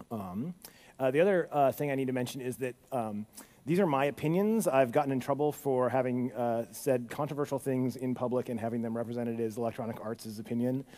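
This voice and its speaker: Here a man speaks at a fairly quick pace at medium pitch. His tone is dark and mellow. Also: ordinary pitch variation. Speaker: game developer giving a conference talk. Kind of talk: conference talk. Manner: fast.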